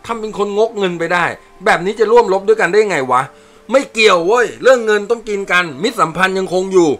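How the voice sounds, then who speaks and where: A man voicing a brash, quarrelsome male soldier who talks loud and coarse. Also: high-pitched, quick pace, faint music behind, voice pushed up. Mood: bickering.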